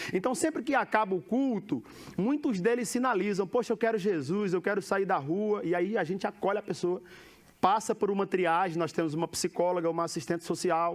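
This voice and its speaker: A man with a Pernambuco accent talks at a high pitch and a fairly quick pace. His loudness is very even, and his pitch varies in an ordinary way. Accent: Pernambuco (northeastern Brazilian). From Pernambuco, Brazil (Petrolina). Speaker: missionary pastor. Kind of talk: sermon.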